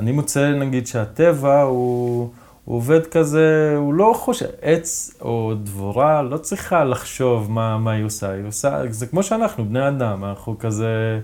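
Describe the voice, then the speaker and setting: With a plain, everyday voice, a man speaks at a fairly slow pace and medium pitch, his intonation lively and his delivery nearly free of pauses. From Israel, Druze community. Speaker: podcast host. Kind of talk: casual interview.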